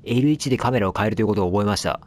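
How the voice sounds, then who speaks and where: A man's voice: fairly low pitch, very fast, darkish tone. A man giving casual let's play commentary, chatting to the game and its characters as he plays. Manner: chatty, talks back at the game, apologizes for noise.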